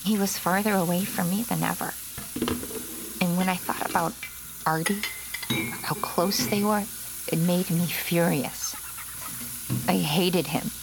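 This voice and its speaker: An actress playing a weary mother who works at a hospital and narrates her story in a halting, strained way. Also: lowish voice, fairly even intonation, vocal fry, noisy background. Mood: bitter. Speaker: narrator and lead character. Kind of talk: audio drama acting with narration.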